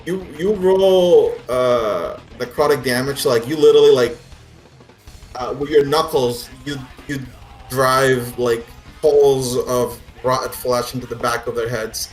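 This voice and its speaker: Narrating a tabletop role-playing game as its game master, a man speaks at a measured pace in a medium-pitched voice, keeping things casual and full of swearing. Faint music plays behind him, and the room gives off an echo.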